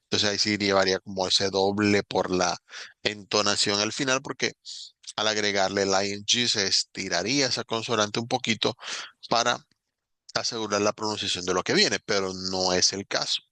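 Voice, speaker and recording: A man, an English teacher explaining grammar patiently in a recorded online lesson and slowing down to spell out examples. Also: on the low side, fairly even intonation, sharp tone, no room sound.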